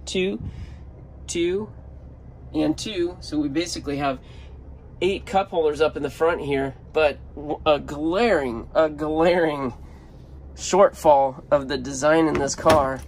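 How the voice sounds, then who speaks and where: A man's voice: on the high side, slow, darkish tone, slight background noise, poor audio. Chatty man filming on his phone. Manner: chatty, offhand, thinking aloud. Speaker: vlogger. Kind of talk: casual walkaround video. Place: inside a parked van. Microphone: handheld phone.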